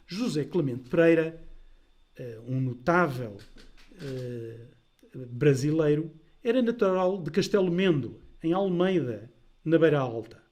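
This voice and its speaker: Male lecturer, mellow timbre, slightly raised pitch, measured and deliberate. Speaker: historian lecturer. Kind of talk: scripted history talk.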